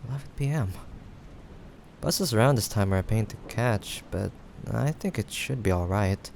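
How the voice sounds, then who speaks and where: Casting: man as teasing, caring young guy friend for audio roleplay, lowish voice with vocal fry, casual and reassuring, rain behind. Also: lively intonation, a little mellow. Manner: casual, teasing, chuckling, hesitant pauses. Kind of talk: improvised audio roleplay addressed to the listener. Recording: faint background noise, rain ambience. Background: rain sound effects.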